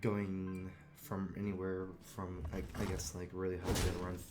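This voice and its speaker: A hoarse man with a cough, casually commenting while he streams a card game and thinks aloud about his moves. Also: low voice, monotone, normal speed. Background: game music.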